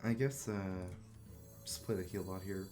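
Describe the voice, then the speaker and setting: A hoarse man with a cough, casually commenting while he streams a card game and thinks aloud about his moves. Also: deep voice, normal speed. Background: game music.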